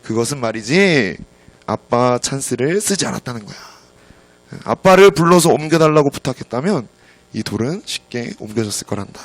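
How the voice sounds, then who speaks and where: A man doing a soft-spoken gentle father. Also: mid-range voice, lively intonation, normal speed, no echo. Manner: soft, hushed and tender. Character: gentle, warm-hearted father comforting his daughter.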